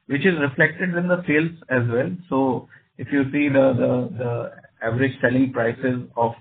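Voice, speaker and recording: A man with an Indian accent, speaking as a company executive, explaining business matters deliberately, point by point. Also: medium pitch, fairly even intonation. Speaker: company executive on an earnings call. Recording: dull conference phone line.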